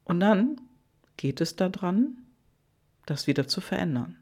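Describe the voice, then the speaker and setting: A coach giving a motivational monologue straight to the listener, with repeated soft phrases, frequent fillers and self-corrections. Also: medium pitch, sing-song, a little slow, breathy edge.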